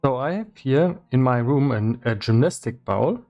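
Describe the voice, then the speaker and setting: A man doing casual livestream commentary as he works on game development, thinking aloud in a halting way. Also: medium pitch, expressive, darkish tone, dull audio, soft background music. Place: indoors in his own room.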